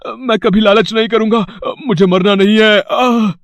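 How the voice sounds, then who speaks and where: A man's voice: medium pitch, lively intonation, moderate pace, lo-fi sound, slight background noise, close to an everyday voice. A man voicing a greedy, scheming older brother. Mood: panicked. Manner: wheedling, fake crying. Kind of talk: Hindi cartoon voice acting.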